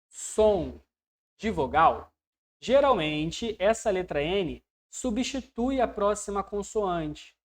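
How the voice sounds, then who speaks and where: Patient Brazilian English teacher drilling numbers. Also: male voice, high voice. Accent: Brazilian Portuguese. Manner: patient, often checks in with the learner; voices learners' questions to himself. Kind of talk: online language lesson.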